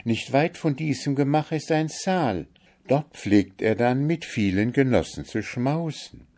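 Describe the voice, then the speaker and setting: A sorrowful owl, really a young princess under a spell, speaks in a lifted, plaintive voice, as a male narrator puts her on. She sounds mournful and unhurried. It is a storybook reading. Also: mid-range voice, animated, darkish tone, pitched above the performer's own voice. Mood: earnest pleading. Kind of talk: audiobook character voice.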